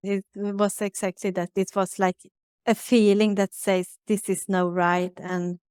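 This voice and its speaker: A Swedish woman in her thirties, a native Swedish speaker, talks haltingly in English as an interview guest, searching for words. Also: medium pitch, steady tone, a little mellow, smooth, dry recording, clean studio sound. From Sweden. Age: 30s. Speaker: guest, spiritual advisor. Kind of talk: conversational interview.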